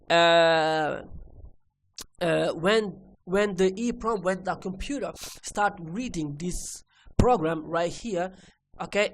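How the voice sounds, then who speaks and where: A woman with a Portuguese accent, a native Portuguese speaker, giving a technical lesson step by step in a halting, repetitive way, often checking with the listener. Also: on the low side, a little hiss or hum. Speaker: computer repair instructor. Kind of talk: screen-recorded technical lesson, explaining step by step.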